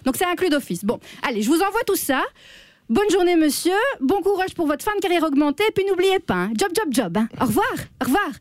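A woman playing a chatty job-center clerk who talks to an unheard caller, slightly hoarse and full of fillers. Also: very high voice, sing-song, a little fast, no room sound, clean studio sound, pitched above the performer's own voice. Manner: gossipy, talks to an unheard caller, constant "hein". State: a little hoarse. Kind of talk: comedy sketch on radio.

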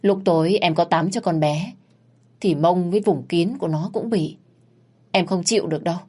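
A woman's voice: fairly low pitch, normal speed, a little mellow, slightly rough. A woman voicing a caring, protective aunt who speaks earnestly and emphatically. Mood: indignant.

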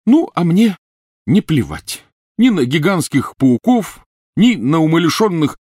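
A man reading an audiobook voices a bitter, shouting teenage boy wizard. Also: a little high, sing-song, moderate pace, no room sound, studio quality, voice pushed up. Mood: angry. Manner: shouting, resentful, sarcastic.

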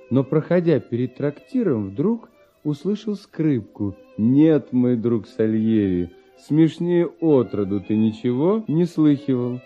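A carefree, playful composer in an old radio drama. His delivery is theatrical and very lively in pitch, yet takes its time. The recording is dull, with faint music behind him. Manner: animated, light-hearted, expressive stage delivery. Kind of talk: theatrical radio play acting in verse.

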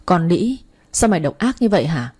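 A woman's voice: on the low side, very animated, fairly quick, darkish tone, breathy edge. A woman voicing a distraught young father, stammering and anguished. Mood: furious.

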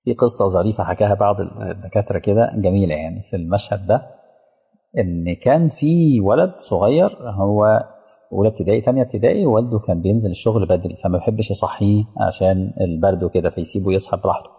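A low-voiced, gravelly Egyptian preacher talks at a fast clip and keeps asking his listeners whether they follow him. His dark, husky tone rings out with a long tail of hall echo. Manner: engaging, asks the audience rhetorical questions. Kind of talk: colloquial religious lecture with storytelling. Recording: reverberant hall sound.

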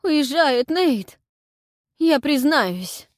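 A woman reading an audiobook voices a frantic, lovestruck older male historian who wails and pleads in a high, loud, drawn-out voice. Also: lively intonation, no room sound, studio quality. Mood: panicked wailing. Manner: wailing, breathless pleading.

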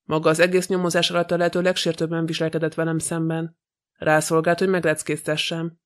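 A fussy, proud older detective, voiced by a male reader speaks in a precise, polite way. The voice sits fairly high and stays flat and even, with little rise or fall, as in a plainly read audiobook. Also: close to an everyday voice.

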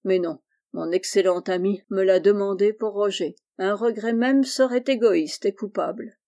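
A woman's voice: medium pitch, moderate pace, mellow, natural voice. A woman reading the part of a tender, devout lady musing with fond regret. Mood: wistful.

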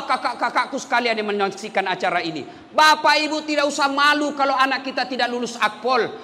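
A man's voice: very high voice, pushed and bright, big-room sound. A man preaching a sermon with emphatic, repeated oaths, acting out short dialogues as he goes.

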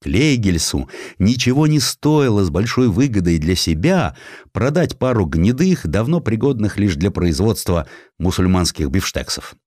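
Male narrator, low register, very animated delivery, ironic and theatrical, for historical audiobook. Dry sound. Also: normal speed, dry recording. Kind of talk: expressive scripted literary narration of historical satire.

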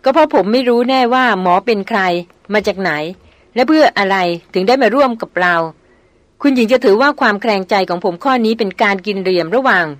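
A woman's voice: a little high, lively intonation, brisk, no room sound, close to an everyday voice. A woman reading an audiobook novel, voicing a proud, wry male jungle hunter with a dry, teasing manner. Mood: earnest.

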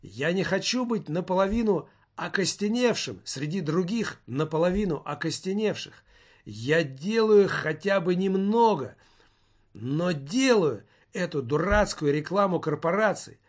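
A man's voice: high-pitched, expressive, measured pace, voice pushed up. A man voicing a frightened, whining male festival director who moans and pities himself. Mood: self-pitying. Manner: whining, moaning, self-pitying.

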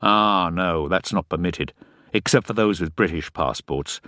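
A man's voice: deep voice, unhurried, a bit bright, no echo, clean studio sound. A man voicing an officious male shipping office clerk who speaks formally and sticks to the rules. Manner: formal, rule-bound.

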